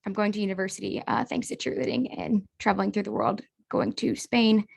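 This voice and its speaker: Young woman with a gravelly edge. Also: medium pitch, steady tone, a little mellow. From United States. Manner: brisk and friendly, with fillers. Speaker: presenter. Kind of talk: webinar presentation.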